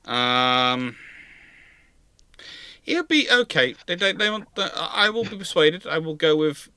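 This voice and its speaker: A man hosting a casual panel discussion, explaining and speculating in a measured way. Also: a little high, lively intonation, sharp tone, clear, resonant tone, no echo, studio quality. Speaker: panel host answering viewer questions.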